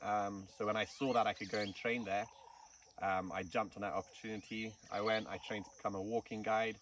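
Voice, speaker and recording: Male guest from Kenya, relaxed storyteller, interview recorded at a distance outdoors. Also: lowish voice, a little fast. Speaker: snake farm curator. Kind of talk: casual interview. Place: outdoors in the bush. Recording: distant mic with faint insect noise.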